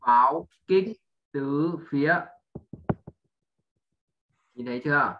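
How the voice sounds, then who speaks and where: A male teacher running an English lesson, speaking slowly and patiently as he spells out letters and keeps checking that his pupil follows. The audio is muffled and lo-fi, with a faint hiss behind him. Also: mid-range voice. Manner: patient drilling, often checking understanding with short questions. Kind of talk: online English lesson for a child.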